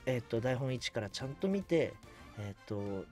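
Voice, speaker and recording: A man's voice: medium pitch, animated, moderate pace, a little mellow, soft background music. A man speaking casually as a guest on a radio show, modest and self-deprecating. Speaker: guest voice and stage actor. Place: radio studio, masked at a table. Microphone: studio boom microphone.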